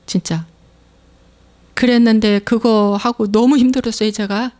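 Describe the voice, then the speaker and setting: A woman's voice: on the high side, steady tone, a little slow, darkish tone. A middle-aged woman pastor preaching a sermon, emphatic and repeating her phrases. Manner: emphatic, repeats phrases, acts out inner voices.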